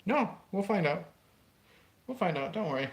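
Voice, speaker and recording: A man's voice: high voice, expressive, normal speed. A man co-hosting a casual livestream, teasing his friend and laughing along. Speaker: livestream co-host.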